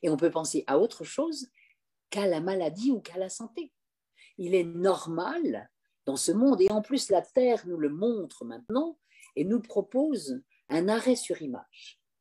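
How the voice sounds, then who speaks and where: Fairly slow speech from a medium-pitched woman, with very wide pitch swings and long, frequent pauses. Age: 60s. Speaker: aromatherapist. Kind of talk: interview.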